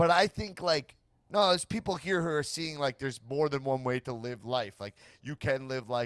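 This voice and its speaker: Animated and with lively intonation, a man with a New York accent talks at a moderate pace in a fairly high pitch, the sound dry and close with no echo on a very clean recording with a silent background. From New York, Long Island. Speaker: comedian. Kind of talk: casual chat.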